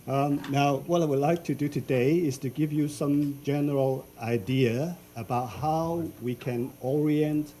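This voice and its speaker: An older man from Hong Kong giving an academic symposium talk in a lecture hall, unhurried, with frequent fillers and restarts. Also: a little high, fairly even intonation, mellow, a little hiss or hum.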